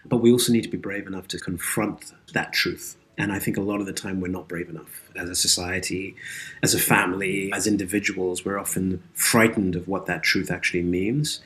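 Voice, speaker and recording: Male, lower-pitched voice; thoughtful, articulate interview guest with an earnest delivery. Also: steady tone, fairly quick, fairly bright tone. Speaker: interview guest, actor and audio drama creator. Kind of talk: reflective interview conversation.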